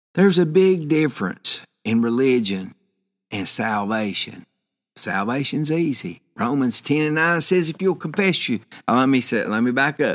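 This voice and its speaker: A man's fairly high, an ordinary speaking voice, with lively intonation at a moderate pace. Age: 50s. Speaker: preacher. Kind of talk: sermon.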